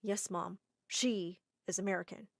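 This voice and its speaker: A woman voicing a gentle young man, a brother in an animated story, speaking plainly and softly. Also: mid-range voice, a little slow, creaky, dry recording, studio quality. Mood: calm.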